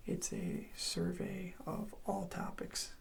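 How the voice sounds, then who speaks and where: Creaky whispered ASMR role-player. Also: medium pitch, sing-song. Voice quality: breathy whisper with creaky fry. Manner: gentle, unhurried, reassuring. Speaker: ASMR role-player acting as a college academic advisor.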